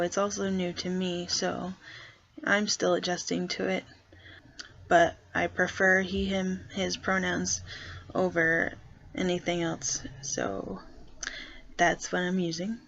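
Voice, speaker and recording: A young trans guy vlogging casually and hesitantly, deliberately pushing his voice lower as he talks. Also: creaky, no echo, muffled recording. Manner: hesitant, soft-spoken, consciously pitching voice lower. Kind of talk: casual first vlog.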